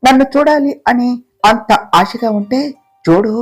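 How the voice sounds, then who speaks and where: A woman voicing the vengeful ghost of a murdered young woman, speaking in a lowered, menacing, taunting voice. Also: unhurried, soft background music.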